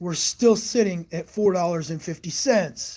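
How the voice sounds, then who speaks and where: At a moderate pace, a man talks in a high voice. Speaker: stock trading streamer. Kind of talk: live stream commentary. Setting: live stream. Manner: casual; soft-spoken.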